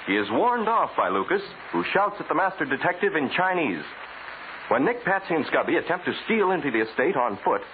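A man's voice: a little high, narrow, tinny audio. A man working as a 1940s radio announcer, reading scripted narration and sponsor copy in a dramatic, polished delivery. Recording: thin, hissy 1940s radio recording.

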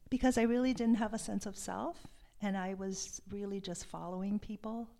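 A woman from Hawaii, a love and sexuality coach, talking in a soft, hesitant and reflective way as an interview guest. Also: mid-range voice, steady tone, moderate pace, vocal fry. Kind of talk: podcast interview.

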